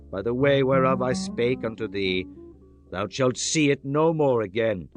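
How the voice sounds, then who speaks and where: Solemn male scripture narrator over music. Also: fairly low pitch. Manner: solemn, archaic declamation. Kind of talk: dramatized audiobook Bible reading. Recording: music under the voice.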